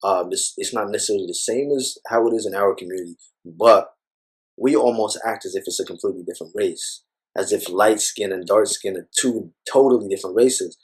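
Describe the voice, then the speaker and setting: A man with a low, husky voice answers an interviewer. He reflects at length on personal experience and leans on frequent "you know"s and "like"s as he gathers his thoughts. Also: a little fast, low-quality recording. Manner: thoughtful, rambling with frequent fillers. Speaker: interview guest.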